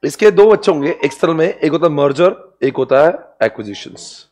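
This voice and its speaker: A man lecturing a class with a fairly high voice. He keeps the lesson light and playful, jokes with his students and laughs often. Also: expressive, fairly quick, a little mellow. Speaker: commerce exam lecturer.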